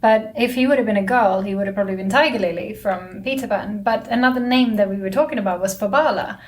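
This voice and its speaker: A woman's voice: mid-range voice, fast talker. A woman in her thirties whose first language is Swedish, co-hosting a podcast and telling long, rambling stories in casual chat. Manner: chatty, rambling storyteller. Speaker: podcast co-host.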